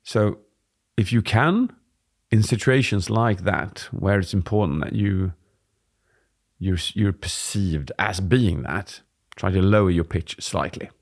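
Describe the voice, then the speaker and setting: A man in his forties, a presentation coach, explaining at a relaxed pace as he co-hosts a podcast on a studio mic. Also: sits low, slow. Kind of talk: casual podcast chat. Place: dim studio with warm lamps. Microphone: studio mic on boom arm.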